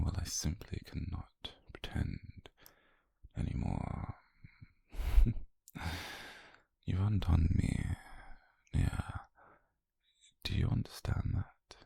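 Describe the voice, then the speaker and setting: A British man playing a calm, possessive, obsessed doctor in an intimate ASMR roleplay, speaking slowly and haltingly in a husky, breathy near-whisper. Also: sits low, no room sound, exaggerated voice. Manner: slow, halting, intimate delivery.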